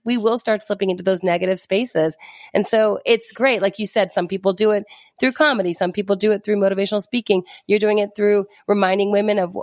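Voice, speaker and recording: A female podcast host speaks in an encouraging, conversational way, jumping up in pitch whenever she acts out a quote. Her voice sits at a middling pitch, and the recording is dry and close. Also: dry recording. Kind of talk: casual interview talk.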